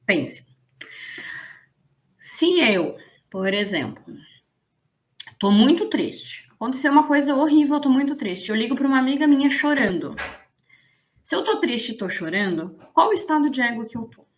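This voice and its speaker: A woman teaching in a casual, lively and blunt way, often slipping into acted quotes. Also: high voice, moderate pace, long pauses. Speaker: business coach. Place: indoors, streaming to an online audience.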